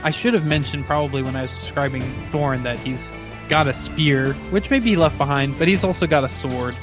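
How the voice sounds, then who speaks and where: A man's voice: on the high side, brisk, music in the background. A man improvising a story casually as a player in a tabletop roleplaying game.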